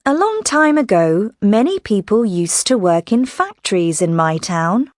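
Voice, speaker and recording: Woman reading in a lively voice. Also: medium pitch, unhurried, dry recording, clean studio sound. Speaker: speaker in a listening exercise. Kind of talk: scripted sentences and answers.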